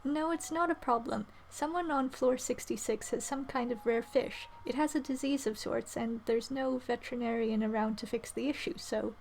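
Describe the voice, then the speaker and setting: A woman streaming a game, commenting casually and reading the dialogue aloud in an animated way. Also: fairly high pitch, gravelly, low-quality recording. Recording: slight background noise.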